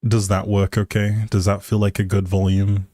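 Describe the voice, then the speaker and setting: A man's voice: fairly low pitch, completely flat delivery, moderate pace, mellow, no echo, clean studio sound. A man live streaming a game, chatting casually with viewers and thinking aloud in an easygoing, polite way. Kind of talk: casual livestream chat over gameplay.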